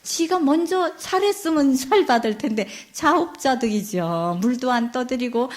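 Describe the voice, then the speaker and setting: A woman nun giving a Bible lecture, telling a folk tale in a lively, chatty way and asking her listeners questions. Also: high-pitched, a little slow.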